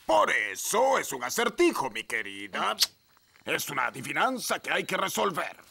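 A man voicing a jolly old elf pirate with a gravelly voice and Latin American Spanish accent, hearty and theatrical, in a children's cartoon. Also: on the high side, wildly swooping pitch, moderate pace, heavily acted. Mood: jovial, hearty. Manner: hearty, theatrical, calling others sweet pet names. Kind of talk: animated children's cartoon dialogue. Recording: loud music under the voice.

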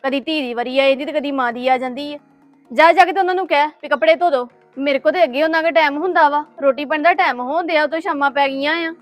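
A woman's voice: high voice, faint music behind, lightly acted. A woman playing a grumbling young village woman. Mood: annoyed. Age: young adult. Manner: fast grumbling complaints.

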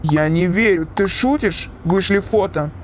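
A woman's voice: on the low side, unhurried, slight background noise, pitched below the performer's own voice, natural voice. A woman voicing a sceptical but concerned young man in a horror text-message story. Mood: disbelieving. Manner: questioning, mildly exasperated.

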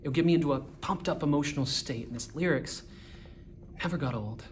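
A man in his twenties performing a dramatic monologue as a searching, reflective soliloquy with pauses, recorded indoors a short way from the camera. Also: medium pitch, darkish tone. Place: small indoor room with a wall-mounted TV. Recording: noticeable background room noise.

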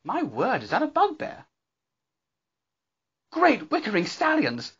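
Cartoon male pony scientist, played by a voice performer: eccentric, exclamatory, genteel, very animated pitch, somewhat muffled sound. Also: takes it slowly, breathy edge, heavily acted. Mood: alarmed. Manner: theatrical, exclamatory, wordy and genteel. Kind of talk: character voice reel, theatrical cartoon acting.

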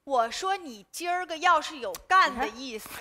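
An actress playing a feisty, sassy youngest daughter who mixes cutesy bravado with quick retorts. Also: female voice, high-pitched, animated, pushed and bright, a little hiss or hum. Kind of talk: sitcom acting before a live audience. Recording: roomy stage with audience laughter.

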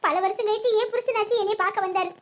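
A woman's voice: very high-pitched, steady tone, fast, slight background noise. A woman voicing a grieving older village mother-in-law with a southern Tamil Nadu accent, lamenting and giving advice. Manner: lamenting, advising.

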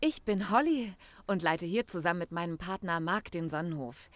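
A woman's voice: on the low side, animated, moderate pace, no echo, lightly acted. An actress playing a guarded, earnest young woman who runs a farm retreat in a crime radio play. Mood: guarded, defensive. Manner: defensive, earnest. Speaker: actor in crime audio drama. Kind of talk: German crime audio drama acting.

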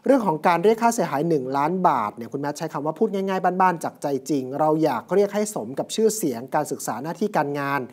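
A man hosting a morning news show, reading out a story and quoting people in a steady news delivery. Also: fairly high pitch, fast talker, few pauses. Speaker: news program host.

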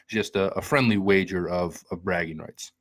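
His voice is deep and a little bright, moving at a normal speed with no echo. He's an American in his twenties hosting sports talk from a small home room, sitting close to a desktop mic and drifting along in a relaxed, conversational ramble.

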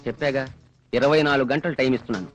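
An actor playing a calm, menacing kidnapper who makes taunting ransom threats over the phone. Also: male voice, medium pitch, soft background music, lightly acted. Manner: cool, taunting, unhurried threats. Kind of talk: 1990s Telugu film dialogue.

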